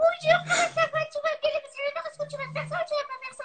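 A squeaky put-on character voice at an extremely high pitch, swinging very widely in pitch at a moderate pace. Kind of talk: casual live stream chat. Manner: playful, mocking.

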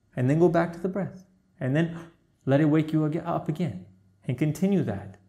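Over a quiet background, a man speaks at a moderate pace in a dark, mellow tone with ordinary pitch variation. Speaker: meditation teacher. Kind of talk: guided meditation. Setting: video. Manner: warm, gentle. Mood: calm, warm, explanatory. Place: home room. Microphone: lapel.

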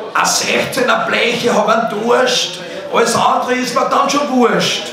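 With noticeable background noise and audible room echo, a man with a Viennese accent speaks at a very slow pace. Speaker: performer reading a poem. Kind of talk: dialect verse performance at open stage. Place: bar.

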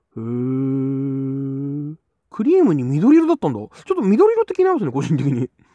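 In a dry, close sound with no echo, a man speaks at a moderate pace with big swings in loudness. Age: 20s. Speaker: model train YouTuber. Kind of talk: casual product news commentary. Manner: halting with frequent fillers.

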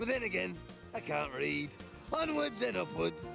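Over clear music in the background, a man performs a gruff, put-on character voice. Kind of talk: comedic travel narration for children's TV. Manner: playful, exaggerated.

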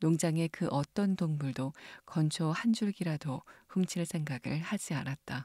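A woman with a fairly low pitch speaks at a fairly slow pace, her voice somewhat breathy with a calm, warm, dark, mellow tone and ordinary pitch variation. The recording is very clean, with a silent background and a dry, close sound with no echo. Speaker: audiobook narrator. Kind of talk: dramatic narration of a novel, read aloud as a bedtime audiobook. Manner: calm, warm, slow and soothing, with expressive emphasis.

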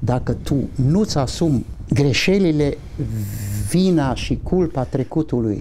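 Speaking in a German accent, a man uses a fairly high pitch with ordinary pitch variation at a fairly slow pace, with noticeable background noise behind him. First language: German (speaking Romanian). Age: 70s. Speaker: Lutheran pastor and writer. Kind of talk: casual conversation while walking in cemetery.

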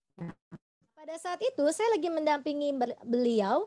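This woman's voice has a dark, mellow tone. Her intonation is lively. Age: 30s. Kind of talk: religious talk to young people. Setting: online video session. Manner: animated.

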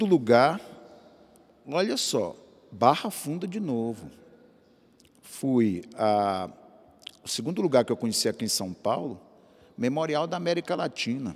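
A man of medium pitch, fairly slow in pace, with very wide pitch swings and long, frequent pauses. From Brazil, Pernambuco (Northeast, sertão). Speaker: writer. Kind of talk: recorded testimony. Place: hall. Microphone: handheld.

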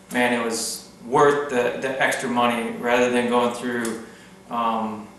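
Amid light background noise and audible room echo, the voice moves at a fairly slow pace with monotone, flat intonation. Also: man. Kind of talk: casual vlog chat. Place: workshop. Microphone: camera far.

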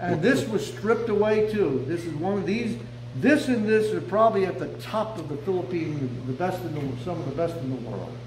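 The speech moves at a moderate pace with very wide pitch swings, set against audible room echo and light background noise. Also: man, high pitch for a man. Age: 80s+. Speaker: expat retiree. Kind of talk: casual chat. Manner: halting. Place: kitchen. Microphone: phone near.

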